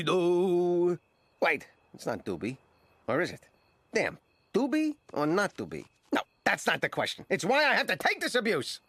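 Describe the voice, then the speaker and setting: Cranky loud cartoon duck guy, hammy ranting, bright and nasal-sharp. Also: high-pitched, husky, no echo, heavily acted. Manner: bombastic, ranting, hammy stage delivery. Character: loud cranky duck detective, middle-aged male. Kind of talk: cartoon voice acting.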